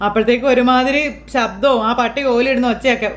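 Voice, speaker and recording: A woman retelling a TV serial episode in casual speech, acting out each character's lines with a shifting, often raised pitch. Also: steady tone, fast. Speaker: serial story narrator.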